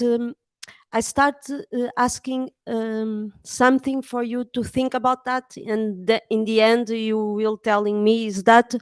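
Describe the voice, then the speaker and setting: A Portuguese-accented woman speaking English as a second language, a journalist giving a halting conference talk full of fillers. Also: fairly high pitch, clear, resonant tone, dry recording. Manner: hesitant, many pauses and fillers. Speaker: journalist and editor.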